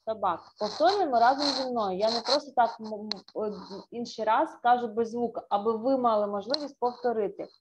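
A Ukrainian woman teaching a remote English lesson to first graders, drawing out words slowly and clearly to show pronunciation. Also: a little high. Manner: slow, clear, drawn-out pronunciation demos. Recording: dull lo-fi sound.

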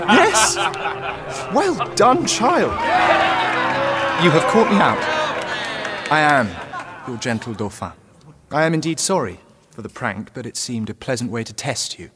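Medieval prince, playful yet wary, mid-pitched, audio drama, ringing hall with music. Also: male voice. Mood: amused, exclaiming. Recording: long hall reverb, music behind.

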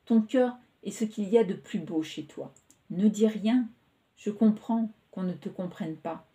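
A woman's voice: mid-range voice, measured pace, warm tone, natural voice. A woman reading the part of an emotional young woman who pours out her affection in a pleading, impulsive way, in a storybook reading. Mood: pleading, tender.

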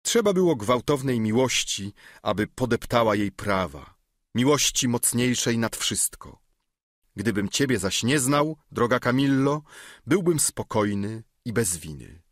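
A man voicing a smooth-talking young nobleman, speaking his lines in an earnest, pleading way for an audiobook. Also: medium pitch, sing-song, measured pace, dry recording, studio quality. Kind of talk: audiobook character reading.

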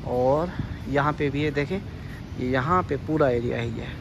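A man's voice: mid-range voice, unhurried, vocal fry, muffled recording. A man walking through a supermarket with his phone, leisurely pointing out the goods and reading their prices. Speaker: vlogger. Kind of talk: walking store tour vlog. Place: large indoor supermarket. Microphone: handheld phone camera. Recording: noisy store ambience.

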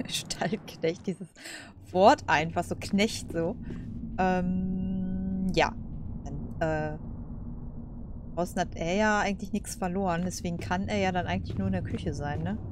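Woman doing casual lets play chat, lowish voice, thinking out loud, noticeable noise behind her. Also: fairly even intonation, unhurried. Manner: chatty, musing aloud. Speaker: gaming host. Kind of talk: casual let's play commentary.

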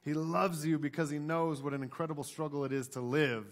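A man's voice: fairly high pitch, fairly even intonation, fairly quick. An American man in his forties preaching as a pastor in an emphatic way, repeating key phrases. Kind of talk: sermon. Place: church stage, indoors.

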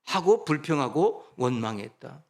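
A man preaching a sermon as pastor, animated and conversational, asking his congregation rhetorical questions. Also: mid-range voice, measured pace, gravelly. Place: church sanctuary.

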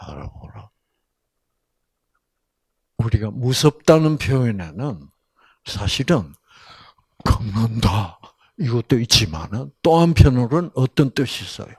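A man's voice: mid-range voice, big pitch swings, measured pace, pauses often, slightly rough, dry recording, clean studio sound. An older man giving a Bible lecture in storytelling style, acting out voices and asking his audience questions.

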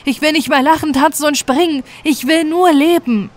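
A woman's voice: high voice, moderate pace, voice pushed up, lightly acted. A woman voicing a desperate young shipwrecked man, pleading and lamenting in a bedtime fairy tale. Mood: anguished lament.

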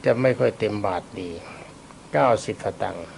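A man's voice: on the low side, creaky, a little mellow, a little hiss or hum. An elderly man, a Buddhist monk, giving a rambling, self-deprecating dharma talk while ill and coughing often. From Thailand. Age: older. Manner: rambling, self-deprecating, pauses to recall names and dates.

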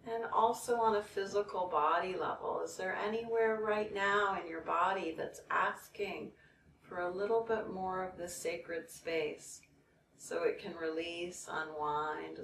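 Slow, low-voiced woman guiding a meditation. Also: gravelly, a bit bright. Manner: soothing, measured, with long pauses. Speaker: guided meditation leader. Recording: roomy, distant mic, background noise.

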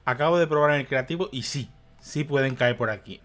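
A man's voice: mid-range voice, a little fast, fairly bright tone. A young man commentating a video game, exasperated, swearing and muttering to himself. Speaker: gaming youtuber. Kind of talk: let's play commentary.

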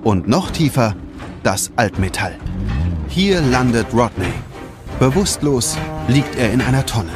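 Man, children's story narrator, medium pitch, animated intonation, dramatic, music behind.

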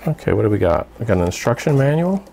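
A man's voice: mid-range voice, very animated, quick pace, gravelly, noisy background. A man giving casual unboxing commentary as a product reviewer, musing aloud to himself as he goes.

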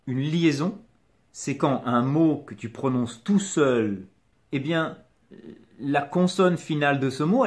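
A man with a French accent gives a pronunciation lesson at a very unhurried pace. His voice sits at an ordinary pitch. He talks the learner through each word and repeats it patiently. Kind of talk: slow, clearly articulated lesson.

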